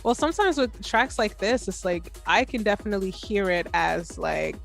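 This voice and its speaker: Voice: medium pitch, lively intonation, moderate pace, creaky, fairly bright tone. A person co-judging music on a stream, chatting casually and thinking aloud in a conversational way. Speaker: co-judge of music challenge entries. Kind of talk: casual chat and commentary.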